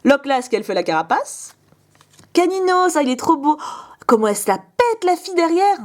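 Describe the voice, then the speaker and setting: A young woman vlogger opening fan mail in casual chat, gushing with quick exclamations and asides. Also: high-pitched, sing-song.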